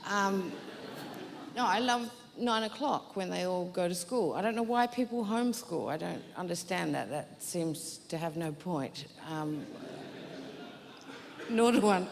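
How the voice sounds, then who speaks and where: This stand-up comedian speaks on the low side, a little slowly, with an expressive, gravelly delivery as she rambles through stories at her own expense. Recorded live on a comedy venue stage with long hall reverb, there's slight background noise and faint audience laughter.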